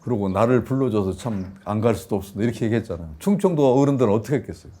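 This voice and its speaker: A man in his sixties, a professor being interviewed, telling lively anecdotes and acting out quotes with laughter. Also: lowish voice, very fast. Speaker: professor guest. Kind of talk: conversational interview storytelling.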